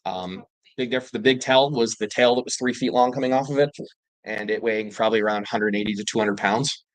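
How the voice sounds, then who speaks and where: A man with a lowish voice tells wilderness encounters in loose, rambling storytelling. He fills pauses and restarts often, and he jumps up in excitement when he quotes himself. The sound is dry and close. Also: no room sound, rough recording. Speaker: panel guest telling paranormal encounters. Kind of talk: casual storytelling.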